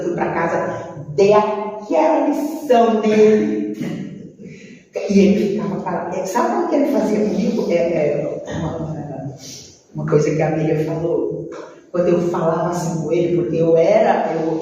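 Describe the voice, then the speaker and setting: A woman with a Brazilian accent tells her life story to a gathered group, turning to her listeners again and again. Her voice is mellow and picked up from a distance. It rings through a large echoing hall on a dull, muffled recording. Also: lowish voice, moderate pace, slight background noise. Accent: Brazilian Portuguese. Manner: lively storytelling, addressing the audience directly. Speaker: speaker sharing a life testimony. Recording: echoey hall, mic far off, dull sound.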